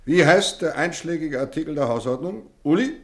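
Radio drama housemaster: stern yet fair, formal and dryly ironic, with wide swings of pitch. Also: male voice, animated. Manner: formal, measured, dryly sarcastic. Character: stern, fair-minded boarding school housemaster questioning boys. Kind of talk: German radio play acting.

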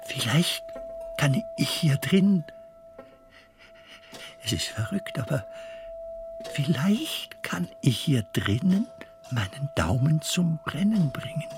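An actor playing a gentle, wistful film comedian in a radio drama, speaking in halting, hushed, wondering phrases. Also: male voice, fairly high pitch, full character voice. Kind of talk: radio drama acting in German.

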